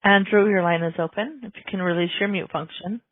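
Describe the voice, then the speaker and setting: A man's voice: sits high, fairly even intonation, fairly quick, no echo. A man acting as conference call operator, making formal announcements to introduce the next caller. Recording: narrow dry phone line.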